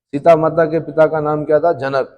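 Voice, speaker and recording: A man lectures on history ahead of an exam, repeatedly questioning students before answering himself. He speaks at a moderate pace in a slightly high, level tone, and the lo-fi recording carries a long room echo.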